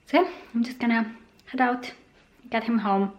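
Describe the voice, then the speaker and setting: A young pregnant woman chatting casually to camera in her vlog, gushing and filling pauses with "um". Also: on the high side, echoey room. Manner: chatty, gushing, many fillers. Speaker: vlogger.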